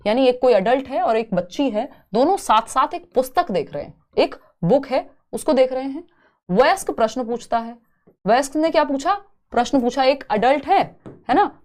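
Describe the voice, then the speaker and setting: A young woman teaching an exam-prep class with a fairly high voice. She explains each point step by step, mixing in English terms, and keeps asking her listeners questions that she then answers herself. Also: a little mellow. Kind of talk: online exam-prep lecture.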